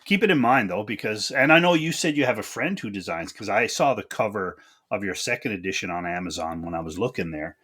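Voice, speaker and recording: A man's voice: lowish voice, expressive, fairly quick, fairly bright tone, husky. A man hosting a podcast, chatting casually and chummily with his guest. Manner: chummy, calls guest buddy and sir. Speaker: podcast host. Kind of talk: casual interview chat.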